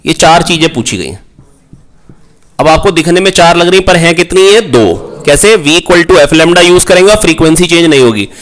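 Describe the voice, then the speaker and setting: A man teaching a physics revision class online, coaxing his students, repeating key points and firing quick questions at them. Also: a little high, expressive, a bit bright. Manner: asks rhetorical questions, prompts answers. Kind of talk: online exam-prep lecture.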